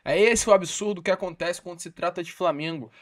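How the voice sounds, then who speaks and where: Indignant high-voiced man commentator. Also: a little fast. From Brazil. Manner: indignant, emphatic. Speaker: sports channel host. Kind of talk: opinionated football commentary.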